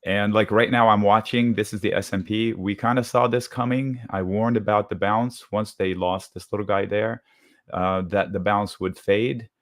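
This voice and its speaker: A man who sounds a bit under the weather, giving a brisk step-by-step walkthrough of his options trades as a guest on a live market show over a video call. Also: lowish voice, fairly even intonation, dry recording, studio quality. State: deep voice from a cold.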